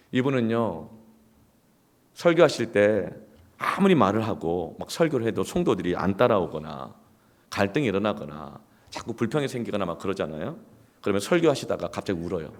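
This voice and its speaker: A man with a low voice preaches with a rising and falling, animated delivery. He moves from hushed, near-whispered asides to sudden emphatic bursts. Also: a little fast. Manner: emphatic, swings from hushed to loud outbursts. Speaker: pastor. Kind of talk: sermon with personal storytelling.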